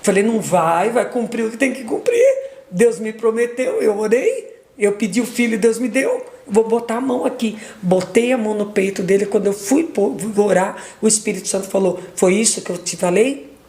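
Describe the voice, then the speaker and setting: A middle-aged woman giving an emotional testimony as a mother, retelling dialogue, repeating words, her voice leaping high at intense moments. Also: animated, normal speed, warm tone, roomy sound.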